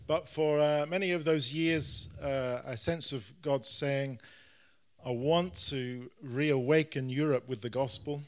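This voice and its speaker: A middle-aged man from London with a British accent gives an informal church address in short phrases, pausing for an interpreter. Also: mid-range voice, steady tone, fairly bright tone. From London, Britain. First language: English. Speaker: guest pastor preaching.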